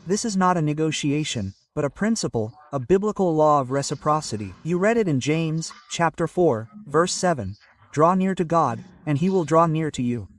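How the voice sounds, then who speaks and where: A man's voice: fairly high pitch, lively intonation, no echo. Man preaching from a distance, dry sound. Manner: measured preaching with scripture citations. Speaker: pastor. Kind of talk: sermon.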